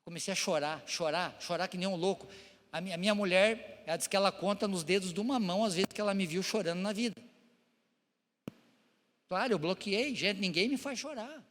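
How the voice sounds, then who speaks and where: A man's voice: sits high, a bit bright. Emotional preacher man, echoing hall. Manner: emotional, halting, addresses the congregation directly. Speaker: pastor. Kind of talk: testimony sermon. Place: church hall. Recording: long church-hall reverb.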